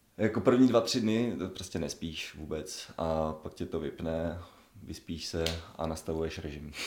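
A man's very deep, low voice at a fairly slow pace. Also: ordinary pitch variation. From Czechia, South Moravia (Hustopeče/Brno). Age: 30s. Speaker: gym member. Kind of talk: casual interview chat.

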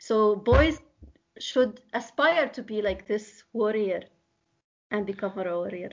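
A woman speaks very slowly with an Arabic accent and ordinary pitch variation. Her pauses are long and frequent. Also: fairly high pitch for a woman. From Palestine. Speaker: NGO program officer. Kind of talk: interview. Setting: phone call. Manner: halting.

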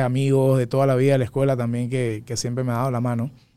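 A dark, mellow tone with ordinary pitch variation. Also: man. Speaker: restaurant owner. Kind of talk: casual interview. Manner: calm.

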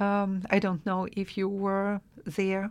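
A woman speaks in a Ukrainian accent at a medium pitch. The recording is very clean, with a silent background. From Ukraine (Kharkiv). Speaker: professor. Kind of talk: interview.

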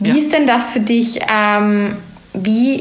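A woman with a Viennese accent speaks at a fairly slow pace. Audible room echo and noticeable background noise surround her voice. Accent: Austrian (Viennese). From Austria, Vienna. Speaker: podcast host and music journalist. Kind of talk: casual interview chat.

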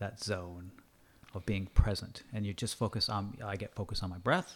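With an American accent, a man speaks at a moderate pace in a fairly low pitch with vocal fry. The recording is very clean, the background silent. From US New England (Andover, Massachusetts). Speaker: retired communications lecturer. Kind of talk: casual interview. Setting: at host's home.

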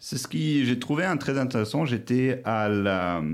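Lively intonation at a very slow pace. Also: man. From Luxembourg. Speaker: journalist, podcast co-host. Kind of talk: casual chat. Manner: halting.

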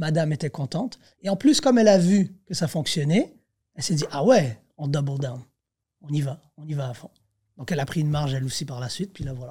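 Recorded very cleanly with a silent background, a man speaks at a fairly quick pace in a somewhat breathy, dark, mellow voice with lively intonation. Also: fairly high pitch for a man. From Montreal, Quebec. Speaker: entrepreneur and real estate investor. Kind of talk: casual chat.

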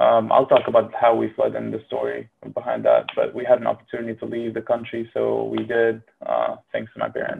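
A man with a Syrian accent speaks at a fairly quick pace. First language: Arabic. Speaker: solo podcaster / video diarist. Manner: halting, filler-heavy, casual.

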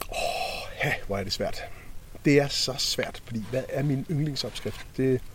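A man speaks at a very slow pace. The recording has audible room echo and noticeable background noise. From northern Jutland, Denmark. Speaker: chef. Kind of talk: casual interview. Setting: outdoors in a back garden.

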